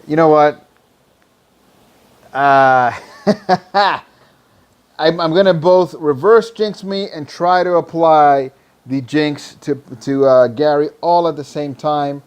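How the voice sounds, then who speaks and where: A hoarse, tired man hosting a podcast, rambling loosely through fantasy football picks and swearing freely. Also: a little high, slow, pauses often. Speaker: podcast host. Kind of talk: casual fantasy football talk.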